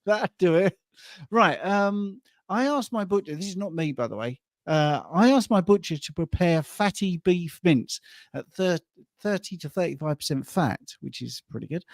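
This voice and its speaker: A hoarse man from England hosting a live Q&A, chatting in a self-mocking way. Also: on the high side, a little mellow, no room sound, studio quality. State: hoarse from shouting. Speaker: host reading questions. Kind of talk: live Q&A chat.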